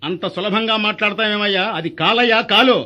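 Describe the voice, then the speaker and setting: A man's confrontational, scolding voice in a comic sketch, pitched very high and moving fast. The recording is dull and lo-fi. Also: bright, forceful tone. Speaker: comic actor in a hospital sketch.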